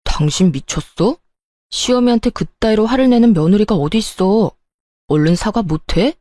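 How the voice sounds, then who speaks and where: A bossy, irritable husband from a family drama story acted by a female narrator, accusing and demanding. The voice has a dark, mellow tone and sits in a very dry recording. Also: mid-range voice, normal speed, dry recording, close to an everyday voice. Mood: angry, demanding. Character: angry, bossy adult husband siding with his mother.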